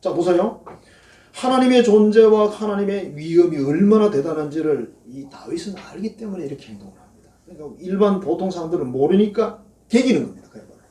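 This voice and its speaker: A man's voice: high voice, animated, brisk, warm tone. A male pastor, preaching a sermon in a folksy storytelling way and acting out quoted prayers in a mocking voice. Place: church sanctuary. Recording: echoey church hall, voice from a distance.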